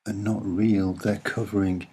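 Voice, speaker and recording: Man, mellow and slightly low voice, soft-spoken, hesitant amateur presenter, explaining pictures step by step. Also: little pitch movement, creaky, slightly rough. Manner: soft-spoken, hesitant and deliberate, with short phrases. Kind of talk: unscripted soft-spoken commentary over images.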